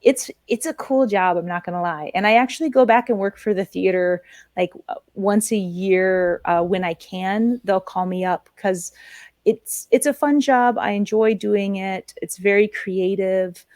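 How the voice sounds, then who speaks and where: A woman's voice: mid-range voice, a little slow, darkish tone, no room sound. A woman teaching ukulele chords and chatting casually, explaining things plainly and patiently. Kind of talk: casual music lesson and chat.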